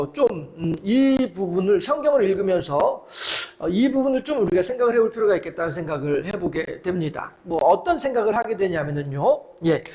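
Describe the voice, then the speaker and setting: A man's voice: sits high, darkish tone, highs cut off. A man preaching a midweek sermon, retelling Bible scenes and acting out their dialogue with many fillers. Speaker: pastor.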